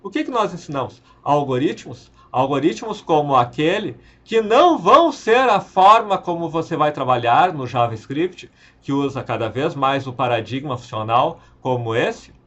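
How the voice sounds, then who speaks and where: A man's voice: a little high, very animated, normal speed, hardly any pauses, fairly bright tone. A man teaching programming in an explanatory lecture, posing rhetorical questions and explaining step by step in an earnest way. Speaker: programming instructor. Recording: dull lo-fi recording.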